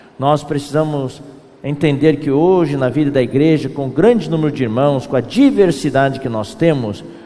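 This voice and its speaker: A man at medium pitch and moderate pace, with audible room echo and noticeable background noise. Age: 60s. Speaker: pastor. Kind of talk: sermon.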